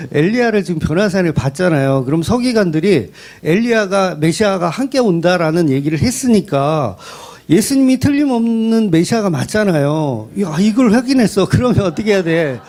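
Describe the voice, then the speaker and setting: A male pastor preaching a sermon in an animated way, asking his listeners rhetorical questions and acting out quoted voices. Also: high-pitched, moderate pace, few pauses. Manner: asks the congregation rhetorical questions.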